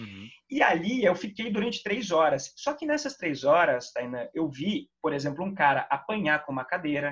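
A high-pitched male voice with lively intonation. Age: 30s. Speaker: parliamentary aide and youth speaker. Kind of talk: podcast interview.

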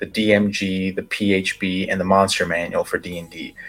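Here a man talks in an ordinary speaking voice. His pitch sits fairly low. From South Florida (Hialeah, Miami area), Cuban-American community. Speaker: tabletop RPG content creator and game master. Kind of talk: casual chat.

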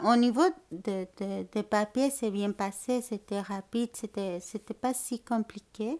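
A woman's fairly high voice in a Spanish accent, at a very slow pace. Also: ordinary pitch variation, dry, close sound with no echo. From Mexico City, Mexico. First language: Spanish (speaking French). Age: 40s. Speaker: theatre director and actress. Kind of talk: interview. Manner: halting, many hesitations.

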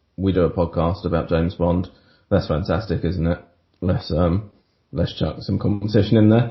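Very deep, low pitch from a man, somewhat breathy, moving at a moderate pace. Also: fairly even intonation. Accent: English. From England. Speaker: podcast co-host. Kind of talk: casual chat.

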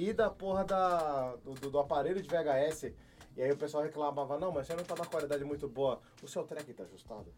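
In a normal speaking voice, a man speaks at a moderate pace with fairly high pitch and ordinary pitch variation. His loudness swings a lot. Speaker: podcast host. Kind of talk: casual chat.

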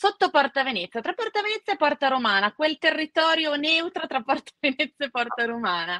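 Raised and projected, the voice has a bright, sharp tone, very wide pitch swings and a fairly quick pace, with a dry, close sound and no echo. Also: woman, high pitch for a woman. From Milan, northern Italy. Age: 30s. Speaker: food blogger. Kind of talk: casual chat.

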